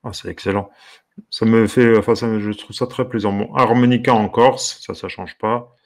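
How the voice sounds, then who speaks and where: Here a harmonica teacher chats casually as he looks around, amused and curious, with quiet exclamations as he thinks aloud. His voice is lowish and steady, at a normal speed.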